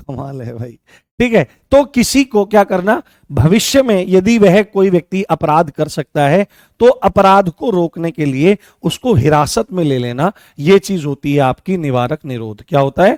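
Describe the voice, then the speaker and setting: Recorded in a dry, close sound with no echo, a man speaks fairly slowly. His high pitch swings very widely. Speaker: online exam coaching teacher. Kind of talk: online live class lecture. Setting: online live stream class. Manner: quieter voice than usual.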